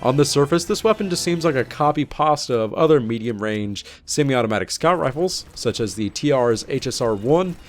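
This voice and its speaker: A man's voice: medium pitch, animated, fairly quick, hardly any pauses. Male gaming host narrating over music. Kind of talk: scripted game patch review narration.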